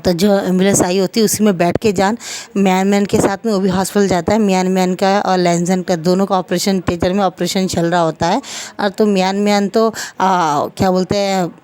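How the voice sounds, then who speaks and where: A woman's voice: medium pitch, flat delivery, moderate pace, darkish tone, smooth. A woman casually narrating her own fan fiction story, chatty and full of fillers, dropping into quoted dialogue.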